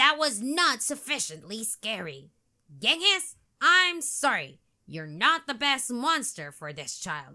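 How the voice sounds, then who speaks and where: Using a put-on character voice, a woman speaks at a high pitch and fairly slow pace with very wide pitch swings, on a very clean recording with a silent background. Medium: read story. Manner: strict, formal, instructing.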